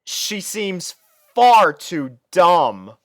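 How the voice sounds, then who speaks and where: A man giving an expressive, dramatic first-person reading of a story as an exasperated student. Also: high-pitched, very slow, no room sound, clean studio sound. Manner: expressive, theatrical delivery with sighs. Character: exasperated young male student narrating his life with a roommate. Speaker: fan fiction reader.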